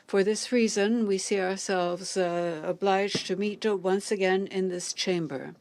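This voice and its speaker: A woman simultaneously interpreting formal diplomatic speeches, measured and deliberate, pausing on hesitant fillers. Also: medium pitch, fairly even intonation, a little mellow, no room sound. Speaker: conference interpreter.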